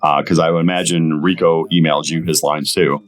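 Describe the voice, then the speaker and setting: A man's voice: a bass voice, little pitch movement, a little fast. A man chatting casually as a guest on a commentary session.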